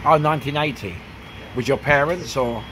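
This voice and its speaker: A man interviewing a cafe owner on a handheld phone, excitable, laughing often and tripping over his questions. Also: medium pitch, normal speed, background noise. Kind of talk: casual street interview. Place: small cafe, indoors.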